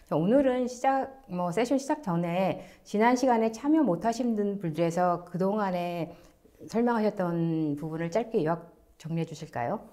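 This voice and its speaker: A woman's voice: fairly low pitch, moderate pace, mellow. A woman hosting a webinar, reading scripted announcements in a polite, formal presenter manner. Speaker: webinar host.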